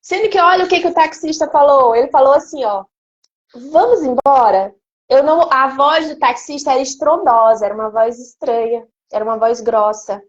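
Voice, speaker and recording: High-voiced woman telling her story. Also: a little fast, few pauses, highs cut off. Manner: animated storytelling, acting out quoted speech. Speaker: interview guest. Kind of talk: emotional personal testimony.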